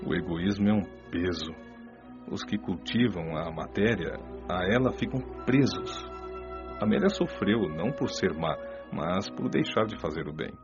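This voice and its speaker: Low-voiced solemn spirit mentor, played by a man, over music. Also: lively intonation. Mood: solemn, instructive. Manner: measured, didactic, solemn. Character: male spirit mentor, patient, earnest, gently admonishing. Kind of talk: radio drama dialogue in a spiritist audiobook. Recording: dull, muffled audio under clear music.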